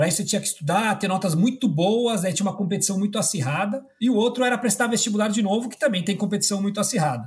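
Very fast and lively, a man with a high voice talks over noticeable background noise. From Brazil. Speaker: e-commerce company CEO. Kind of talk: interview conversation.

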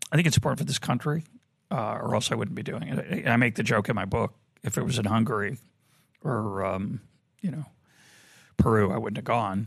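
A man with an American accent talks at a fairly quick pace, using vocal fry and lively intonation. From US Northeast, Boston. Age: 60s. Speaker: economist and author. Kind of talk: interview conversation.

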